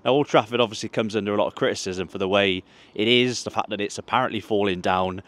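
A man's voice: on the low side, fast talker, fairly bright tone. A man in his thirties narrates a walking vlog around a football ground, talking chattily to his viewers as "guys". He speaks into a handheld mic outdoors on city streets. Street traffic passes in the background. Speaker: football travel vlogger. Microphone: handheld mic, camera at arm's length.

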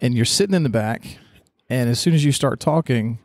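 A man's voice: mid-range voice, lively intonation, brisk, no echo, studio quality. Chatty middle-aged man. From England. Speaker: guest, real estate agent. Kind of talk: podcast interview.

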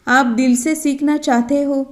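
A calm elderly dance master speaking with gentle authority, voiced by a woman. The voice sits high and mellow. It is a storybook reading. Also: measured pace.

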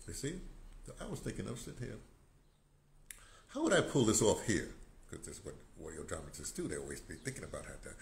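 Filming himself on a phone at arm's length, an older vlogger who covers audio drama tours his small home before heading onto a sunny patio. His fairly low voice swoops wildly in pitch, fast but broken by long pauses, as he rambles, repeats words and gestures. Background noise is clearly audible.

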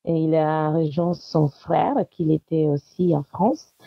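A woman in her thirties with a low, gravelly voice talks as a guest in a relaxed interview. She laughs softly and often, pausing on fillers as she gathers her thoughts. The recording is dry and a bit muffled. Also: dry recording. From Italy. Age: 30s. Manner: warm, laughs often, many hesitations. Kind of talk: casual interview talk.

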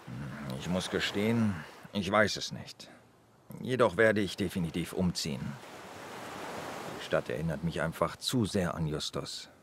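A deep, low-pitched voice of a weary, tender police inspector in a radio crime drama. He speaks calmly and gently, with a faint hiss behind him. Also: unhurried. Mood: wistful. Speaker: inspector Anton Jäger.

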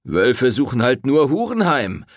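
A man's voice: mid-range voice, wildly swooping pitch, measured pace, no room sound, clean studio sound, voice pushed up, full character voice. A man voicing a mocking Sicilian innkeeper in an audiobook, taunting and sneering.

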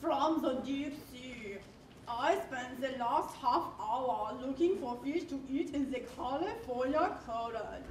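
A woman doing a slow laid-back elephant seal. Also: sits high, expressive, darkish tone, slight background noise. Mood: friendly. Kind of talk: live puppet show. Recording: echoey hall from far off.

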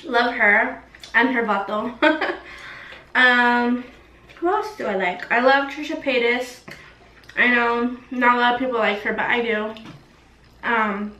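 A woman's voice: fairly high pitch, slow, pauses often, pushed and bright, recorded from a distance. A young woman chatting casually in a mukbang eating vlog, filling her talk with ums and likes while she eats. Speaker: vlogger. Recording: echoey room, voice off-mic.

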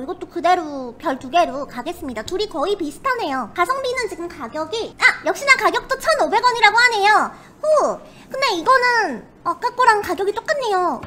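A woman hosts a casual snack review with a cutesy, very high voice. Her delivery is polite and animated, swinging freely in pitch, over faint background noise. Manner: polite, perky, refers to herself by name. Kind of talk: casual livestream commentary.

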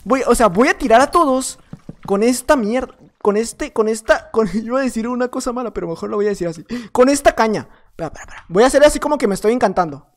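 A young man giving excitable gameplay commentary at home, chatting nonstop, repeating words and breaking into shouts. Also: very high-pitched, quick pace. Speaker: gaming YouTuber. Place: at home at night.

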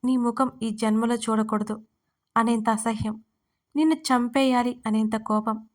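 This is a firm young wife in an audio drama story, blunt and cold with a sarcastic edge, as a woman narrator reads her. Her voice is fairly high and steady. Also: measured pace, lightly acted. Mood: scornful.

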